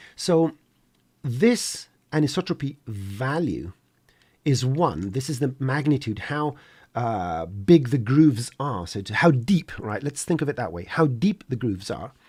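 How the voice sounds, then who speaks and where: Against a very clean recording with a silent background, a man's somewhat breathy voice swings very widely in pitch. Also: medium pitch for a man, fairly slow pace. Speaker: 3D graphics tutor and livestreamer. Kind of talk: live tutorial. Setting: home studio livestream. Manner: halting, many fillers.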